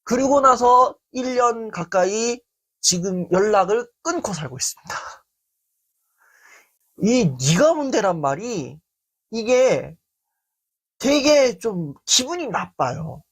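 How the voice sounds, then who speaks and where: A male lecturer talks through a listener's worry with a husky edge to his voice. His pitch rises and falls freely as he slips in and out of acted-out quotes. The delivery is conversational and expressive. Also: slow, long pauses. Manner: animated, acts out quoted speech. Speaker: lecturer answering a viewer's letter. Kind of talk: talk-show style self-esteem lecture.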